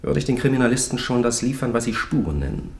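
A man acting in a German radio play as a quietly defiant, devout Catholic chaplain who speaks gravely and deliberately. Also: mid-range voice, big pitch swings. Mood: firm, resolute.

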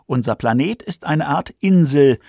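A man's voice: on the high side, lively intonation, moderate pace, darkish tone, breathy edge, no room sound, studio quality. A man reading scripted science documentary narration for a radio feature.

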